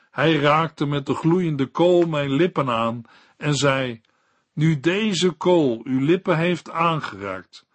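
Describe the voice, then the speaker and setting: A man giving a scripted Bible commentary in a slow, measured reading voice. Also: a little high, no room sound.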